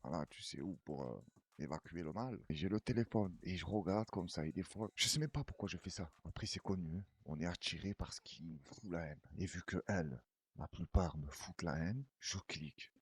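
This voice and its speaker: A man's voice: sits low, a little fast, breathy edge, no echo. A man casually rambling through a reaction commentary, chatty and laughing often. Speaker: news commentary host.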